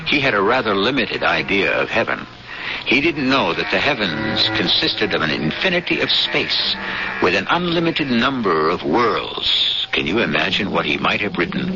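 Deep-voiced man hosting over loud music. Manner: musing, rhetorical. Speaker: radio drama host. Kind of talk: scripted, theatrical narration. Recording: muffled old radio broadcast.

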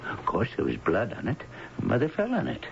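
A man playing a worried, brooding older father in a radio drama, speaking haltingly. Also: medium pitch, wildly swooping pitch, vocal fry, faint music behind, full character voice. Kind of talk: 1970s radio drama acting. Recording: muffled, lightly hissy 1970s radio recording.

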